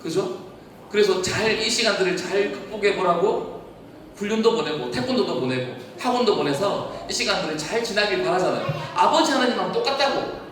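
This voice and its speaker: A man's voice: sits high, expressive, brisk, noisy background. Man, pastor, sermon with questions, long reverb, distant mic. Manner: preaching with rhetorical questions to the congregation. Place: church hall. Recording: echoey hall, voice from far off.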